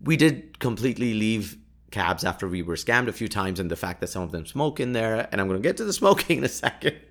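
Chatty man with a low voice. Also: sing-song, a little fast, a bit bright. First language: Urdu. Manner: chatty, laughs often, many fillers and restarts. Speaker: podcast host. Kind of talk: casual travel storytelling.

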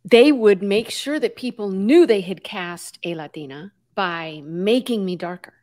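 A middle-aged woman of Puerto Rican family, raised in the US, tells stories as a guest in animated conversation. She acts out quotes expressively and mixes in Spanish words. Her mid-range voice is a little mellow and measured in pace.

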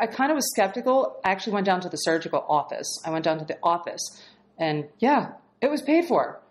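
A woman guest telling a story in casual, animated talk, swearing freely and laughing as she goes. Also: on the low side. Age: adult, past marriage. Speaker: podcast guest.

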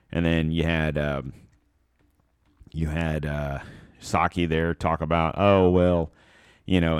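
A man's voice: extremely low pitch, clear, resonant tone, no echo, clean studio sound. A man hosting a podcast, giving blunt, sarcastic political commentary in a rambling way with many fillers, a little stuffed up. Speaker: podcast host.

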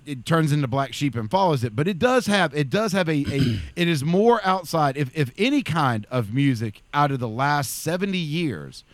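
A man's voice: fairly high pitch, lively intonation, moderate pace, hardly any pauses, no room sound. A man hosting a casual podcast chat, rambling and often restarting his sentences. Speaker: podcast host.

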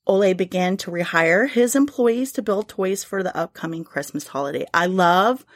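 A woman's voice: mid-range voice, moderate pace, no room sound. A woman narrates a true story for a podcast in a loose, conversational way. Her voice sits in the middle of the range and is recorded dry and close, with no room around it. She swears casually and giggles at the odd details. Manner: chatty, swears, laughs at her own story. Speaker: podcast host.

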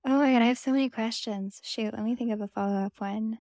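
A woman's voice: fairly high pitch, steady tone, fast talker, darkish tone, no room sound. A woman interviewer asking curious, casual follow-up questions. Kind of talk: conversational interview.

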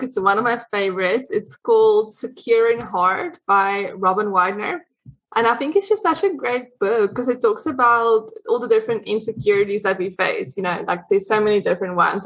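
A woman guest on a podcast, chatting softly and agreeably in her own home. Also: mid-range voice, fairly quick, breathy edge, rough recording. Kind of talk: casual chat.

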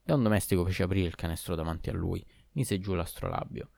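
A man narrates a storybook in a steady, measured way. His voice sits low and dark, and the recording is dry and close with no room sound. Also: gravelly, no room sound. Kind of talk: storybook reading.

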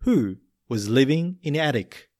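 Slow, careful bilingual male teacher. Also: mid-range voice, expressive, a little mellow. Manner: slow, careful delivery, repeating each point in English then Japanese. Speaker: storybook reader and English teacher. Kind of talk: bilingual picture-book reading and vocabulary quiz.

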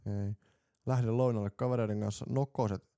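A man's voice: fairly low pitch, fairly even intonation, mellow. A man co-hosting a casual podcast, reading quiz questions aloud with mock enthusiasm and crude jokes. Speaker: podcast co-host.

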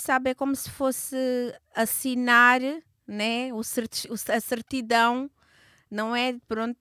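Interviewed in a clean studio with no echo, a woman in her thirties who was born in Portugal answers thoughtfully but haltingly, often restarting and using fillers. She has a medium-pitched, slightly bright voice.

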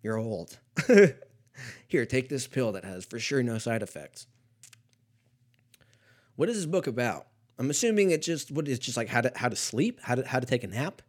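A man in his thirties talking alone on a comedy podcast in a loose, rambling way. He swears freely and slips into muttered asides, then jumps back up to loud, punchy quips. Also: medium pitch, sing-song, moderate pace, long pauses. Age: 30s. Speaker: podcast host. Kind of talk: casual solo comedic rant.

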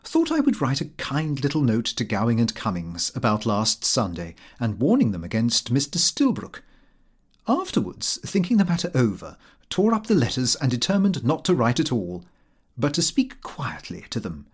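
A man's voice: mid-range voice, wildly swooping pitch, moderate pace, slightly rough. A man narrating a comic Victorian diary, with a prim, aggrieved, theatrical manner. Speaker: audiobook narrator.

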